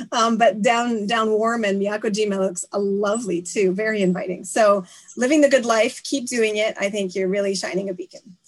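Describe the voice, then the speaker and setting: A woman with a Canadian accent speaks at a moderate pace with hardly any pauses. Her pitch is fairly high and varies in an ordinary way. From Canada. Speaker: podcast host, diversity consultant. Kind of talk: live stream interview. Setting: live stream. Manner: animated.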